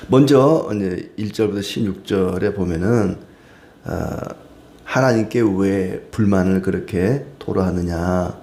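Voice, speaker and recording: A male pastor talks through a Bible study sermon in an easy, chatty way, often pausing on short filler sounds. His voice is low and mellow, and the recording has a roomy echo. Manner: conversational, many fillers.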